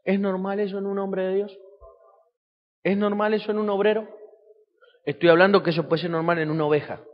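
Male pastor, high voice, sermon with rhetorical questions, muffled recording in an echoey church hall. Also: steady tone, brisk. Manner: preaching with rhetorical questions to the congregation.

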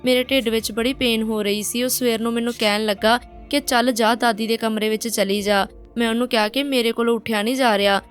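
A woman's voice: on the high side, steady tone, quick pace, hardly any pauses, faint music behind. A woman narrating a painful first-person story in a plain, direct way.

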